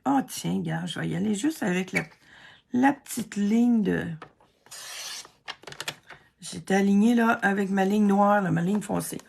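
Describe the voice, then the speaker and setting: A woman's voice: medium pitch, a little slow, creaky, pauses often, a little mellow, a little hiss or hum. A Québécois woman chatting and thinking aloud through a card-making tutorial, self-deprecating and chatty. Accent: Québécois French. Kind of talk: casual craft tutorial narration.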